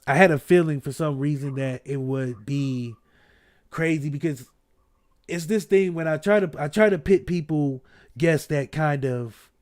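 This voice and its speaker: A man's voice: a little high, measured pace, darkish tone. A man from Ohio hosting a casual podcast chat, laid-back and slangy, a little stuffy. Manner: laid-back, slangy, repeats "you know what I mean". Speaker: podcast host.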